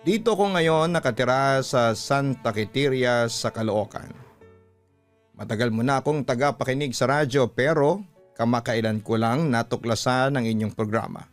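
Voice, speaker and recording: A man's voice: medium pitch, normal speed, soft background music. A man with a Filipino accent, a radio host reading a listener's letter as a dramatic first-person story.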